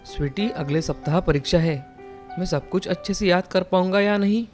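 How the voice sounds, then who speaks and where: A woman's voice: lowish voice, moderate pace, darkish tone, natural voice. A woman voicing an anxious, clever schoolboy in a cartoon story, speaking hesitantly over music. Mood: earnest. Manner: worried, hesitant.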